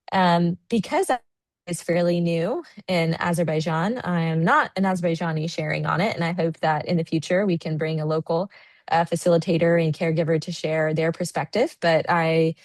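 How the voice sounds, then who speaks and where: A woman's voice: on the low side, a little mellow, no echo. An American woman in her thirties presenting on a video call, chatty and friendly with many fillers, tired from lack of sleep. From United States. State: sleep deprived. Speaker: guest presenter. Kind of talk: online presentation.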